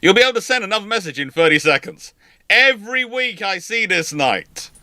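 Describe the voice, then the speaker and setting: Scottish guy rambling on a live q&a, bright voice, dry close sound. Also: sits high, animated, fairly quick, no echo. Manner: chatty, rambling, self-interrupting, laughs at own jokes. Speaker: naval history channel host. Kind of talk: casual live Q&A chat.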